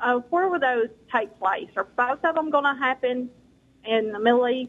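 At a fairly slow pace, a woman speaks in a strong Southern US accent with a high pitch. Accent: strong rural Southern US. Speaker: caller. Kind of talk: call-in question.

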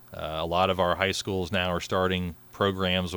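This man speaks with an American accent in a very deep, low pitch and a bright, sharp tone. His pace is moderate, and the recording is very clean with a silent background. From Southern Illinois. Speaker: school superintendent and election candidate. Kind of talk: radio interview. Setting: radio studio.

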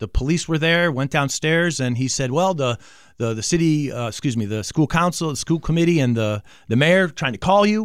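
With an unremarkable speaking voice, this man talks fairly quickly in an American accent, his pitch fairly high and his intonation lively, on a very clean recording with a silent background. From Connecticut, Manchester. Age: 50s. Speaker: school superintendent candidate. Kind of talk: interview. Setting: studio.

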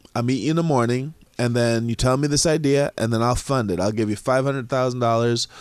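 A man with an unremarkable speaking voice, a medium pitch, ordinary pitch variation and a fairly quick pace, in a dry, close sound with no echo and a quiet background. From Jamaica, raised in Boston. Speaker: museum founder, pilot, mentor. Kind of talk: interview conversation.

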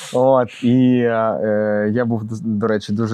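A man's fairly low voice with a dark, mellow tone and monotone, flat intonation. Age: young. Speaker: singer-songwriter and vocal teacher. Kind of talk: interview.

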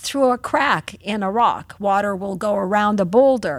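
Here a woman talks with a Turkish accent. Her pitch is medium. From Turkey. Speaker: venture capitalist and author. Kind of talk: interview before live audience.

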